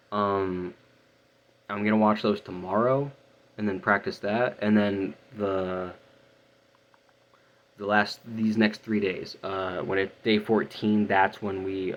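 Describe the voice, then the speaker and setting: A man talking casually in a practice diary, explaining things in a halting, rambling way. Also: sits low, dull audio, slight background noise. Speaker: student vlogger learning harsh vocal technique.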